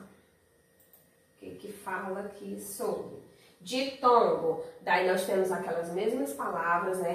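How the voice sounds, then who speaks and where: A woman's voice: mid-range voice, a bit bright. A Brazilian woman teaching a remote lesson to young children, patiently explaining step by step and often checking in with "certo?". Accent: Brazilian Portuguese. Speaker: primary school teacher. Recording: echoey room, voice from a distance.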